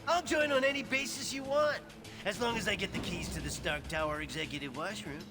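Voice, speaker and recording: Man playing a shrill, manic wisecracking antihero. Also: a little fast, natural voice. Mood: cheeky, joking. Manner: ranting, mock-offended, clownish. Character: manic wisecracking male antihero, childish and loud. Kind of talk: video game cutscene acting. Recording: loud music behind.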